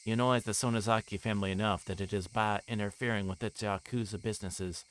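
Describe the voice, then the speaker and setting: Quick and smooth, his voice on the low side, a man reads a visual novel aloud during a live stream. He makes asides and occasionally stumbles, then corrects himself. Steady noise underlies the recording.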